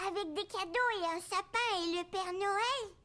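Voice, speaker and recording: A voice actor playing an excitable, curious four-year-old boy in a children's cartoon dub, with an eager, childlike manner. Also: very high voice, moderate pace.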